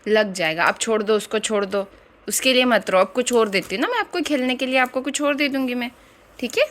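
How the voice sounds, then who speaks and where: A woman soothing and coaxing a crying, teething baby in gentle baby talk. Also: on the high side, lively intonation, a little fast.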